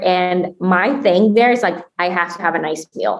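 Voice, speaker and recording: With ordinary pitch variation, a woman talks in a Spanish accent. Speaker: entrepreneur. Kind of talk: interview.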